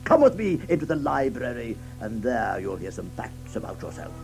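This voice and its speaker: A man playing a stern, solemn badger in a children's audio drama, speaking with deliberate, commanding authority. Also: medium pitch, sing-song, music in the background. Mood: grave, reasoning. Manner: deliberate, commanding, hesitating with gruff uhs.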